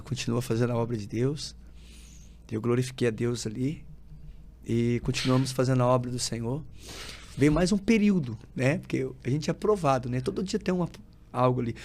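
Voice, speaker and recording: A man, a pastor, telling his personal testimony as a podcast guest, acting out the dialogue of his story and quoting scripture like a preacher. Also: medium pitch. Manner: lively storytelling, acting out dialogue, frequent filler tags; preacherly, quotes scripture with rising emphasis.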